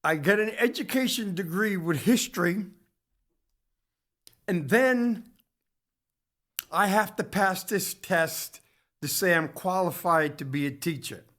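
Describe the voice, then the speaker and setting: Slow, halting man lecturing. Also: high voice, fairly bright tone. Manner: slow, halting delivery with restarts and self-corrections. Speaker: host of a local community TV talk show. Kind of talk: lecture-style commentary.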